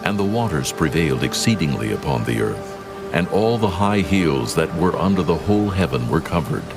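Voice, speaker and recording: A man narrating scripture from a script in a solemn, measured storytelling manner. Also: very deep voice, very animated. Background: music.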